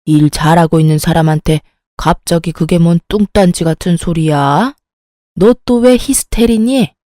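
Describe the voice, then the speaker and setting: Woman doing a bossy mother-in-law, shrill and scolding, mellow tone, dry sound. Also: moderate pace, no room sound, lightly acted. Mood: furious scolding.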